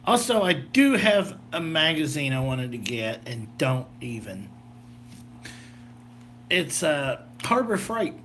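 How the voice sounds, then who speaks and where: A man's voice: fairly high pitch, very animated, slow, fairly bright tone, slight background noise. A slightly tired American man rambling casually through a homemade vlog in a folksy, jokey way. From southern Illinois, United States. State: a little tired. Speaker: gadget video host.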